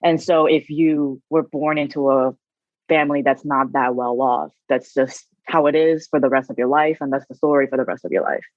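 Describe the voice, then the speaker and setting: A woman's voice: rumbling low, normal speed, no echo, narrow, tinny audio. A woman from South Korea, a guest on a podcast, telling her story in a chatty way with many fillers.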